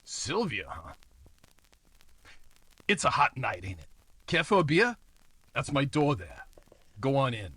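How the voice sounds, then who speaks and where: Man acting a husky, nosy, scheming building manager. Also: medium pitch, huge pitch swings, takes it slowly, pauses often, pushed and bright, exaggerated voice. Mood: prying, falsely friendly. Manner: wheedling tough-guy slang, falsely chummy. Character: nosy, slimy, scheming male apartment house manager. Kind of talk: old-time radio noir acting.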